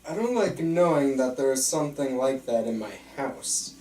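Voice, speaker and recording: A man's voice: mid-range voice, expressive, normal speed, warm tone, natural voice. A man playing a nervous, distrustful patient at a film script table read in an echoey room. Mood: uneasy. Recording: roomy, distant mic, faint room noise.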